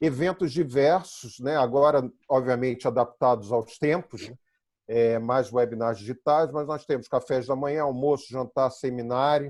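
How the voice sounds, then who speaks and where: Against a quiet background, a man with a plain, everyday voice speaks at medium pitch and a moderate pace with fairly even intonation. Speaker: webinar moderator, chamber of commerce president. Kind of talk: webinar opening remarks.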